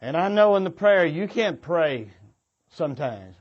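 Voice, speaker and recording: A man's voice: a little high, very animated, unhurried, lo-fi sound. A man giving a sermon-like exhortation to a congregation, speaking earnestly and sometimes repeating or rephrasing his words as he goes. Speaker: church speaker. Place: church meeting before a congregation.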